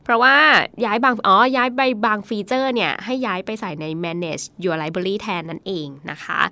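A woman's voice: medium pitch, lively intonation, moderate pace, pushed and bright, no echo. A woman co-hosting a tech talk show, chatting casually about apps and often murmuring agreement. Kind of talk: casual tech news chat.

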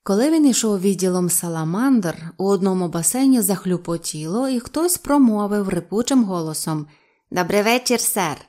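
A woman reading a novel aloud as an audiobook narrator, in an even storytelling manner. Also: medium pitch, moderate pace, hardly any pauses. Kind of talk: scripted narration.

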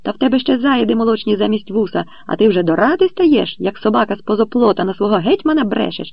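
A man voicing a furious Cossack captain who shouts and scolds a rowdy crowd in an audiobook. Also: high-pitched, animated, quick pace, creaky, slightly rough, voice pushed up, exaggerated voice. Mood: furious, scolding. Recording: dull lo-fi recording.

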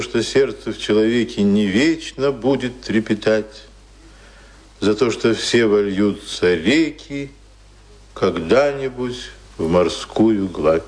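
A man narrating a radio drama in a scripted, literary storytelling style. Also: medium pitch. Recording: radio play, loud music under voice.

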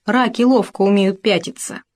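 A woman's voice: medium pitch, normal speed. Woman reading a storybook aloud. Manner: lively, expressive reading. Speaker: narrator. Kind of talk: storybook narration.

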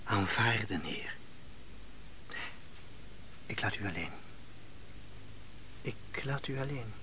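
An actor playing a calm, philosophical host who defers to his lord in a radio play, speaking in a measured, formal way. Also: fairly low pitch, exaggerated voice. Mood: quiet, consoling. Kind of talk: theatrical Dutch radio play acting. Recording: faintly noisy old radio play recording.

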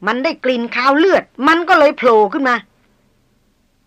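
A woman voicing a rough male jungle porter who shouts news excitedly. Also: sits high, drawn-out words, pitched above the performer's own voice, heavily acted. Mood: excited shouting.

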